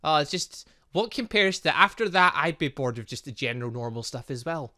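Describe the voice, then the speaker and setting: Male let's-play host, bright and punchy, loose rambling commentary with mild swearing. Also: a little high, animated, brisk. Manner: chatty, swears lightly, rambling asides. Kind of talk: casual gaming commentary and reading aloud.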